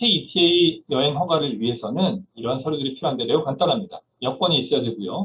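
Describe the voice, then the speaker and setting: Very wide pitch swings from a man talking very fast. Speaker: consular officer giving info session. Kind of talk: informational lecture. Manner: formal.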